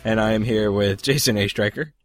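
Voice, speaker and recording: A man's voice: on the low side, fairly even intonation, a little fast, faint music behind. A man hosting a podcast in a casual, chatty style among friends. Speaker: podcast host.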